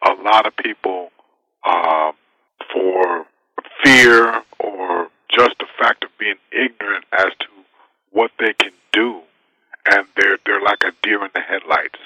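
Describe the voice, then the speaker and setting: A man's voice: fairly low pitch, slow, bright, forceful tone, no room sound, rough recording. A man appearing as a financial advisor guest, speaking emphatically and with assurance, sometimes asking rhetorical questions. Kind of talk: interview answers.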